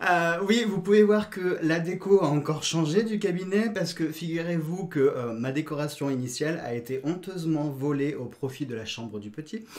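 A man talks with lively intonation, keeping his speed moderate. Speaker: card reader, channel host. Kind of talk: casual vlog chat. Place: home room.

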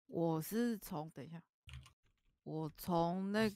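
Very slowly, a woman speaks at a fairly low pitch. Her pitch varies in an ordinary way. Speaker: online game player. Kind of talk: casual gaming chat. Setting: online voice chat during livestream. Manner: animated.

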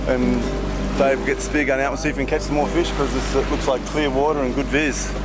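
Over loud music in the background, a man talks at a very fast pace, the sound dry with no echo. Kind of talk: casual vlog chat. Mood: cheerful. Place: boat. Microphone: phone near.

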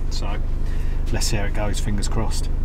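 A man is speaking. Clear music can be heard behind him. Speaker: presenter. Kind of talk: casual vlog chat. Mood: light-hearted, joking. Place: car.

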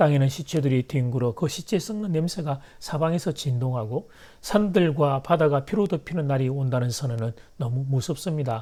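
A somewhat breathy voice with a dark, mellow tone moves at a moderate pace with ordinary pitch variation, captured in a very clean recording with a silent background. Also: man. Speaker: pastor. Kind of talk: sermon.

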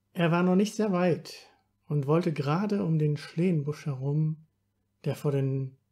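Very slowly, a man with a fairly high pitch and a dark, mellow tone speaks with ordinary pitch variation. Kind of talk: bedtime story telling for children, calm fairy-tale narration with a moral. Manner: earnest, kindly preacher-like tone addressing children directly.

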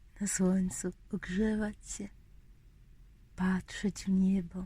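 Very slow in pace, a woman's voice comes through somewhat breathy with a dark, mellow tone. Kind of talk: whispered children's bedtime story. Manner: whispered, soft, gentle.

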